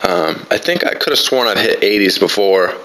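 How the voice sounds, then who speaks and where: A man in his twenties giving relaxed, rambling voice-over commentary on his own workout, full of fillers. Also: sits low, normal speed, rough recording. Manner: laid-back, rambling, many fillers. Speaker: fitness vlogger.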